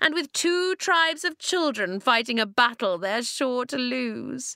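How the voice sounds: In a put-on character voice, a woman speaks fairly slowly with lively intonation and a bright, sharp tone, the recording very clean with a silent background and a dry, close sound with no echo. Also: fairly high pitch for a woman.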